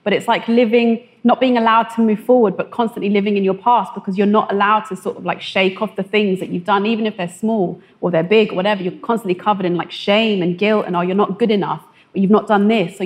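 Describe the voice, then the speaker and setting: A woman from West London shares her testimony in a relaxed, conversational way, pausing often and searching for words. She speaks at a middling pitch, and her voice lifts and speeds up when she mimics the warnings she heard growing up. She is on a church stage. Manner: hesitant, filler-heavy, animated when quoting others. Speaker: testimony guest.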